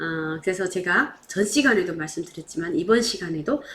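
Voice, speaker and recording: In an animated tone, a woman talks at a moderate pace with very wide pitch swings. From North Korea. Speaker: YouTuber, North Korean defector. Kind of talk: casual talk to camera.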